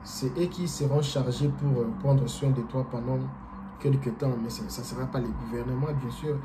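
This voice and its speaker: Against a noisy background, a vlogger from DR Congo, whose first language isn't French, explains things casually in a monologue. His mid-range voice has fairly even intonation at normal speed, but he talks hesitantly, with many fillers and repeated words.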